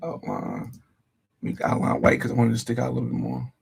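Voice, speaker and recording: A man talks through his work on a live stream, relaxed and chatty and calling his viewers "y'all." His voice is gravelly, with a husky grain. He drifts into quiet mutters as he focuses. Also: medium pitch, a little fast. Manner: laid-back, talks to viewers as "y'all", mutters while working. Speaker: YouTuber. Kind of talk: casual live-stream commentary while editing.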